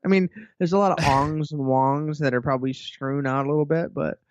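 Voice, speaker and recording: A man co-hosting a podcast in casual chat, throwing in quick jokes and wry remarks. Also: fairly high pitch, steady tone, highs cut off. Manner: wisecracking, jokey interjections. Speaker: podcast co-host.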